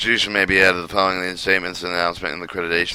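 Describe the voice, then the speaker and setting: A loud, bright, sharp voice, flat and monotone at a very fast pace. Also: man. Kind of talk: reading aloud.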